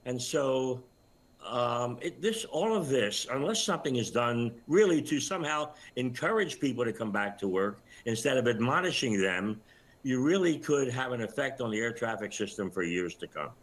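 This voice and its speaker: An older man giving commentary as an expert guest in a live news interview, explaining things in a measured, halting way. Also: medium pitch, animated, rough recording. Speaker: retired air traffic controller, interview guest.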